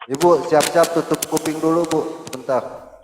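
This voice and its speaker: A man's voice: a little high, fairly even intonation, moderate pace, noisy background. Man with heavy cathedral echo. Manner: checks that he can be heard, informal. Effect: heavy cathedral-like echo on his voice. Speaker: caller in an online group chat. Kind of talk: casual chat. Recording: roomy long hall reverb, faint music.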